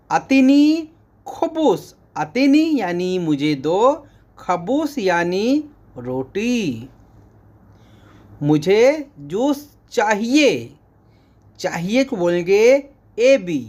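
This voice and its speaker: Very slow-speaking man teaching a language. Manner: repeats each phrase, saying the Arabic words louder and higher. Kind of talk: spoken language lesson.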